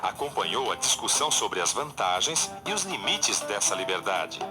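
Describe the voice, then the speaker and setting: A man's voice: fairly low pitch, very animated, normal speed. A man with a Brazilian accent announcing a recap in an upbeat voice-over, addressing the viewer directly. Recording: voice-over over loud music.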